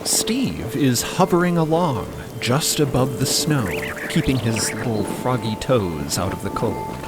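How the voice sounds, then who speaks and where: Guy narrating a story podcast, slow and expressive, music loud behind. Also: medium pitch. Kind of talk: scripted fiction podcast narration.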